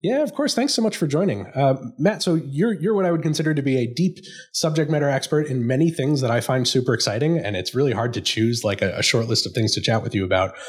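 A man's voice: medium pitch, expressive, fast. A man hosting a tech podcast, introducing his guest with plenty of fillers. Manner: friendly, many "uh" and "um" fillers. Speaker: podcast host.

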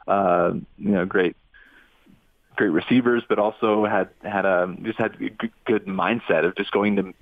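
A man in his twenties, a former quarterback calling in to a radio talk show, speaking in a halting way with many restarts. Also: fairly low pitch, no room sound. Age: 20s. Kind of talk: casual radio interview call-in. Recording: tinny phone line.

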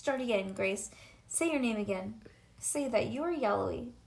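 Woman voicing an excitable, high-pitched little schoolgirl. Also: moderate pace, vocal fry. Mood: excited. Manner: childish wrong grammar, emphatic. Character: excitable, indignant, dramatic little schoolgirl narrator-heroine. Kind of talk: children's storybook reading.

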